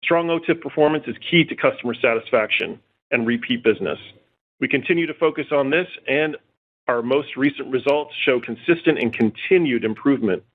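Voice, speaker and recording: A man in the role of chief executive reading scripted earnings call remarks in a formal, measured way over a conference phone line. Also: mid-range voice. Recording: tinny narrow-band phone line.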